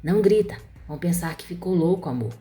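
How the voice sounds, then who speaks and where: A woman voicing the gentle ghost of a mother comforting her husband, in a soft soothing way. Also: on the low side, lively intonation, quick pace, faint music behind, lightly acted. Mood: tender. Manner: tender, soothing.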